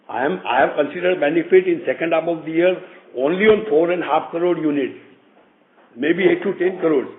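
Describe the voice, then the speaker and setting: A man with an Indian accent answering investor questions on an earnings call as a company executive, explaining in a halting way and repeating words. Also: a little high. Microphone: telephone conference call. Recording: tinny phone line with clear noise.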